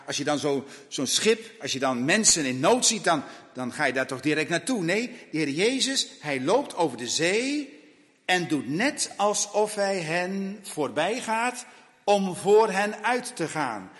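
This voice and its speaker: A man preaching a sermon, emphatic and repetitive, with long dramatic pauses between words. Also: a little high, very animated, fairly bright tone, big-room sound.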